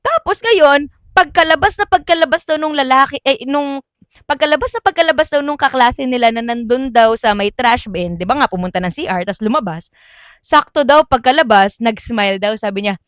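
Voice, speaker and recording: Lively high-voiced woman storyteller. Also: brisk, no room sound, clean studio sound. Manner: animated, laughs often, acts out quotes. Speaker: vlogger telling submitted stories. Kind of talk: casual storytelling.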